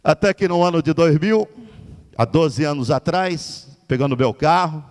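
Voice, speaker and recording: A middle-aged man with a Brazilian Portuguese accent, a journalist giving a lively storytelling lecture and acting out the dialogue in different voices. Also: a little high, unhurried, big-room sound. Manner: dramatic, acts out dialogue in voices. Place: lecture hall.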